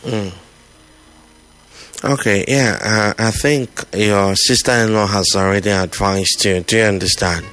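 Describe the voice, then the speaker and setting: A man's voice: fairly low pitch, fairly even intonation, measured pace, fairly bright tone. A man with a Nigerian accent hosting a phone-in, giving advice in a firm, instructive way with plenty of repetition. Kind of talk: conversational advice to a caller.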